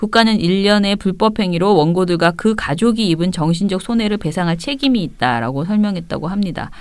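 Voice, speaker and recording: A woman speaks at a fairly quick pace with hardly any pauses, her medium-pitched voice carrying lively intonation at a very even loudness. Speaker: media watchdog staff host. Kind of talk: news reading; casual chat. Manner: fast.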